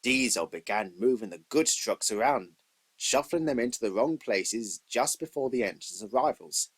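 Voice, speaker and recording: A male narrator reads a children's story about trains in scripted storybook style. His voice is somewhat husky and sits at a medium pitch for a man. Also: animated, moderate pace.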